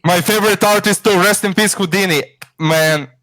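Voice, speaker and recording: Fan caller from bosnia, excitable and fawning, high voice. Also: male voice, moderate pace. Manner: eager, fawning, slangy. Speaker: fan calling in.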